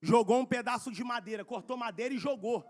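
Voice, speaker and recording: A man with a Brazilian Portuguese accent preaching a fiery sermon, moving from soft asides to loud shouting and repeating phrases to the congregation. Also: very high voice, quick pace.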